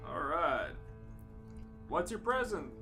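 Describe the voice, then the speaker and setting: A man's voice: fairly high pitch, big pitch swings, takes it slowly. A man co-hosting a podcast in casual, joking chat, reacting to a story. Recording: prominent music under the voice. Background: music.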